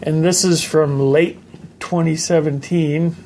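A man's voice: fairly high pitch, steady tone, slow pace, darkish tone, slight background noise. A man hosting a podcast in casual chat, joking and playful with his co-hosts. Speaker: podcast host.

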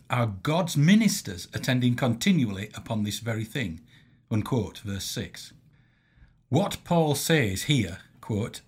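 A man reading a formal, scripted theological lecture in a measured, didactic way, setting off quotations with emphasis. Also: medium pitch, husky. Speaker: Christian lecturer.

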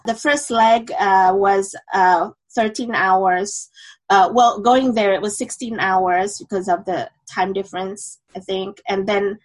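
A woman's voice: medium pitch, fairly even intonation, slow, low-quality recording. A woman in her thirties from Indonesia, a guest on an interview podcast, speaking hesitantly with many filler sounds.

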